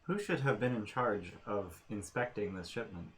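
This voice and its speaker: A man's voice: fairly low pitch, moderate pace, slight background noise, low-quality recording. A man playing a tabletop game, making short, dry remarks. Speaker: player. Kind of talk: casual tabletop game play.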